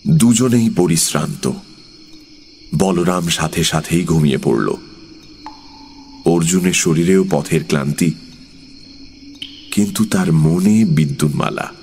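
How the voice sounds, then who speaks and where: Audiobook narrator: man, deep, slow, steady storytelling. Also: faint music behind. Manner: measured, unhurried storytelling.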